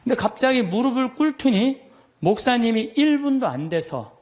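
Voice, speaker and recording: A middle-aged man, a Catholic priest, telling stories in a lively sermon, acting out the voices of others and laughing as he goes. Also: extremely high pitch, normal speed. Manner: animated, acts out quoted voices, laughs often.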